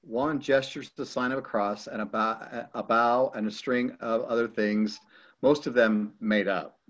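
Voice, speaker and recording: A man's voice: mid-range voice, steady tone, unhurried, muffled recording. A man reading plain, neutral descriptions of the action on screen. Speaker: audio description narrator. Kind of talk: scripted scene description.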